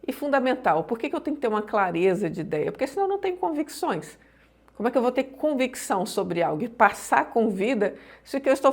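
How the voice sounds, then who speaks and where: A woman's voice: on the high side, a little mellow. A woman teaching an online course on public speaking, explaining points emphatically and often checking that listeners follow.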